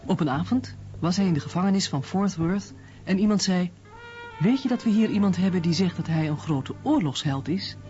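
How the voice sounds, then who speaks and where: A woman voicing a reporter's wife recounts in a mellow voice. The slightly dull recording has faint music underneath. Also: fairly low pitch, expressive, a little fast, lightly acted. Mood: recounting. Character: reporter's wife recalling, in Dutch voice-over translation. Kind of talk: voice-over translation of an interview. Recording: dull lo-fi sound.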